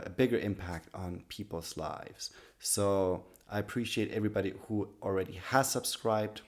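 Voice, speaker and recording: A man with a slightly raspy voice from being sick, talking to camera in an earnest, loose way about personal growth. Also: low voice, darkish tone. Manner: earnest, loose sentences with many restarts and "like". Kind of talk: casual talk to camera.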